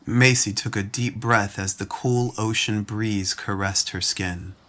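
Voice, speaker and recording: Low-voiced man narrating a story. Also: fairly even intonation, a little slow, a bit bright. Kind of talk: scripted fan fiction narration.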